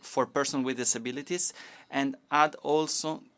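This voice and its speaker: Woman giving a formal speech, clean smooth voice, halting bits here and there. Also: rumbling low, steady tone, a bit bright. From Portugal. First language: Portuguese. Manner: measured, halting delivery with restarts. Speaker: government minister giving a statement. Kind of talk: formal conference speech in a second language.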